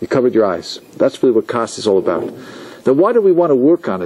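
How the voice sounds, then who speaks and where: Light background noise runs through the clip. A man does the talking. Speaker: religious teacher. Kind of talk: lecture. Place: hall.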